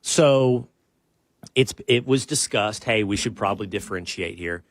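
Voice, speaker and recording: Relaxed, rambling male show host. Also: lowish voice, normal speed, dry recording, studio quality. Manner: relaxed and rambling, with frequent restarts and self-deprecating asides. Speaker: podcast host. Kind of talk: casual show-opening chat.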